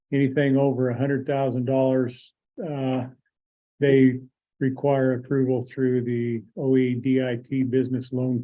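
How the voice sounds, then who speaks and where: A hoarse man chairing a county board meeting, explaining an agenda item haltingly with many filler pauses. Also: medium pitch. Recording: tinny phone-like audio.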